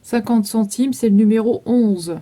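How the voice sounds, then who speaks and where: A woman's voice: on the high side, a little slow, warm tone. A woman in her thirties casually going through makeup items for sale, listing prices and numbers with frequent fillers. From France. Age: 30s. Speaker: vlogger selling makeup. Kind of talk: casual sales walkthrough.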